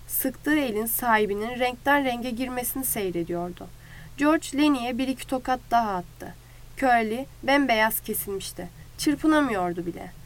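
A woman narrating a story aloud in a measured, clear reading voice. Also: a little high. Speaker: audiobook narrator. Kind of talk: scripted narration.

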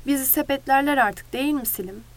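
A woman's voice: sits high, brisk. A woman voicing a loyal male farmhand who calls out urgently and worries aloud. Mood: worried. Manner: urgent, shouting.

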